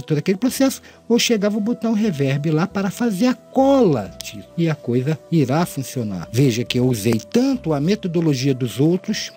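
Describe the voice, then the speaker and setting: A man's voice: fairly high pitch, mellow. A middle-aged Brazilian man with a tongue-tied lisp and slushy s sounds, giving an earnest, informal lesson and often rephrasing his points. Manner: earnest, repeats and rephrases his points, addresses listeners formally. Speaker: host of an audio mixing tutorial channel.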